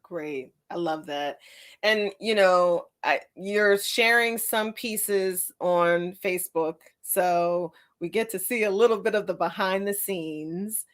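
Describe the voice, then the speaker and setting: A woman's voice: lowish voice, slow pace. A middle-aged American woman hosting a conversational interview in an affirming, encouraging manner. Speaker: podcast host and interviewer.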